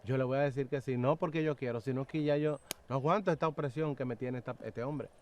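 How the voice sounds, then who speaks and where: A young man giving an earnest, halting personal testimony in an interview, acting out quotes as he tells it. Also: medium pitch, a little mellow, slight background noise. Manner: earnest, halting, with many fillers and acted-out quotes.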